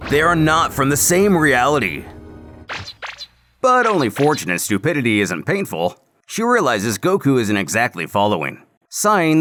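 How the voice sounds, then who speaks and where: Lively male story narrator over music. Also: medium pitch. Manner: expressive, storytelling emphasis. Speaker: narrator of fan comic recaps. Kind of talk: dramatic scripted story narration. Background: background music.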